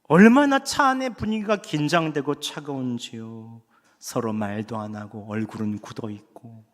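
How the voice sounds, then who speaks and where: A male pastor delivering a Sunday sermon in an earnest, conversational way, now raising his voice and now dropping to a hush. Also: mid-range voice, normal speed. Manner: earnest, conversational preaching with swings between raised and hushed delivery. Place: church sanctuary. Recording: long church hall reverb.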